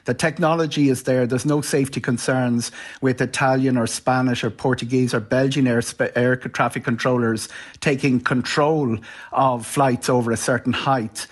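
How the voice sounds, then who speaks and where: A man's voice: medium pitch, fairly even intonation, normal speed. A man with an Irish accent giving an explanatory live radio news interview as a travel commentator, informal and somewhat stop-start.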